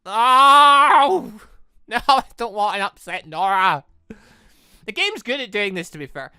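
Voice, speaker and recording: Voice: mid-range voice, very animated, measured pace, bright, forceful tone, smooth, no echo, studio quality. A let's play host giving emotionally reactive, rambling commentary on a story game. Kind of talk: playthrough commentary mixed with read-aloud dialogue.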